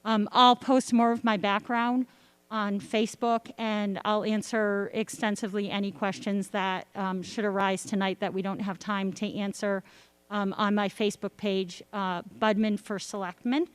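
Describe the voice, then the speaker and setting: A middle-aged woman giving a prepared speech as a local candidate, speaking earnestly and deliberately in short phrases. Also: mid-range voice, flat delivery, smooth, no room sound. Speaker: candidate for town selectman. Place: arts center stage at a candidate forum.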